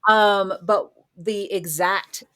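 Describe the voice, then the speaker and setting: A woman's voice: mid-range voice, steady tone, very slow, a bit bright. A woman talking casually as an interview guest, explaining things informally with examples. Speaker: guest author.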